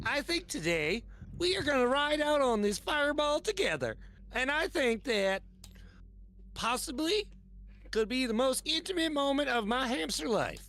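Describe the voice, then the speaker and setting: A put-on character voice, female-sounding and nasal, pitched high, moving at a moderate pace with long, frequent pauses over clear background noise. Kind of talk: high upper-register nasal, opposite of podcast voice.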